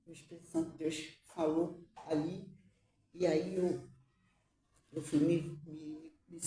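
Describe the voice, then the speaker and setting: A woman tells an emotional religious testimony in a halting way, repeating her words and tearful at times. Her voice is low and mellow. It sounds distant, in an echoey room. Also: slight background noise. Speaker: mother giving a testimony.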